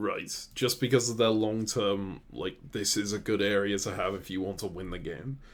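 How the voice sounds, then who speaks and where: Ordinary pitch variation comes with a British accent. The pace is moderate. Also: man, fairly low pitch for a man. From Britain. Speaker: board game strategy commentator. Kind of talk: casual analysis chat.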